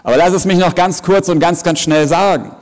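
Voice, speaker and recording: A man's voice: high-pitched, steady tone, brisk. A man preaching a sermon in an emphatic, earnest way with joking asides, heard in a large hall at an evening service. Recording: long reverb of a big hall.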